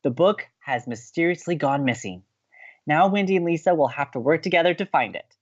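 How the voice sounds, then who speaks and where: An actor playing a romantic, excitable young man who co-hosts college radio in an audio drama, earnest and expressive. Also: fairly high pitch, fairly quick, muffled recording. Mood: excited, playful. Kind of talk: naturalistic audio drama acting.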